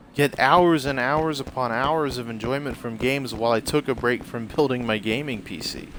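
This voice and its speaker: At a moderate pace with hardly any pauses, a man talks in a medium pitch amid noticeable background noise. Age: 20s. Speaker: gaming streamer. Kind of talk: live gameplay stream chat. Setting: live stream while gaming. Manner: dry, deadpan tone.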